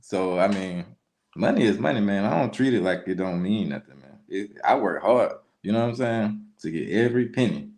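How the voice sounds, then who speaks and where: A man in casual podcast chat, earnest and expressive, peppering his points with "you know what I'm saying.". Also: lowish voice, moderate pace. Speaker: podcast panelist.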